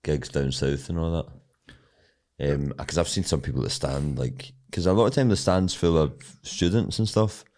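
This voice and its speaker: Scottish lad in his 20s, really low voice, bit mumbly, just chatting away. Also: moderate pace, a little mellow. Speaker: comedian guest. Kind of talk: casual chat.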